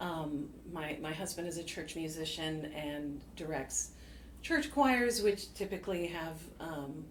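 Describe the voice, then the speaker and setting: In a room with audible echo, a woman speaks fairly slowly at a very deep, low pitch. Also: ordinary pitch variation. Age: 50s. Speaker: music instructor and librarian. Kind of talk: interview.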